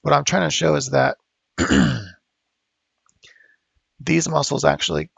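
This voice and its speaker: A man's voice: a little high, big pitch swings, slow, gravelly, slightly rough, dry recording. A man teaching digital sculpting at home, talking casually and thinking aloud with fillers as he works. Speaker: art instructor. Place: home studio.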